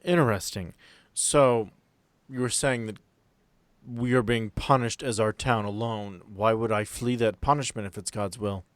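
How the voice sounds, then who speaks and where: A man playing a stubborn, devout middle-aged landowner with a formal, deliberate manner in a tabletop game. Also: lowish voice, fairly even intonation, dry recording, close to an everyday voice. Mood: pious, stern.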